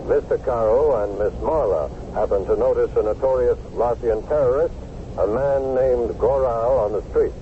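A man's voice: mid-range voice, normal speed, lightly acted. A formal male news announcer, played by a radio actor, reads in a declarative bulletin style. His mid-range voice is boxed in by a narrow old radio recording. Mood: formal, urgent. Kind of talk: radio newsreading within a drama. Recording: noisy band-limited old radio broadcast.

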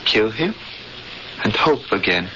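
A man's voice: lowish voice, sing-song, takes it slowly, sharp tone, full character voice. A man acting in a 1970s radio drama as an earnest, fatalistic prisoner and would-be rebel, speaking in solemn, formal phrases. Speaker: actor playing a cellmate. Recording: dull, noisy vintage radio broadcast.

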